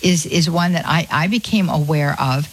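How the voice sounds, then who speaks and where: A woman's voice: low voice, moderate pace, breathy edge. Effusive Catholic radio host, a woman. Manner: warm, effusive, many restarts and fillers. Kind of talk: live Catholic call-in radio talk.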